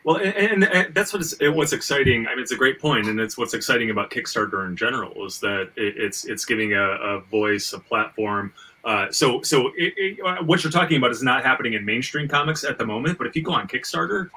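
Male podcast host, very bright voice, recorded at a distance; enthusiastic, stammering, conversational. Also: medium pitch, expressive, fairly quick, husky. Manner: rambling, stammering, repeats words as he thinks. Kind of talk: casual conversation about making independent comics and audio.

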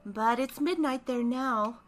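A woman's voice: a little high, takes it slowly. An actress playing a cheerful woman chatting lightly while baking. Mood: chatty.

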